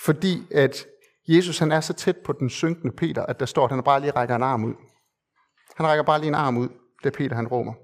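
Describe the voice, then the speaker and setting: A man preaching a sermon in an earnest, conversational way, with hesitant fillers and repeated phrases for emphasis. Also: medium pitch.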